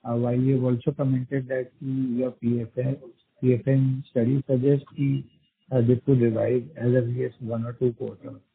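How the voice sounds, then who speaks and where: A man with an Indian accent asking questions as an analyst on a business conference call, speaking in a hesitant, halting way. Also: mid-range voice, little pitch movement, gravelly, slightly rough. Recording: tinny narrowband phone line.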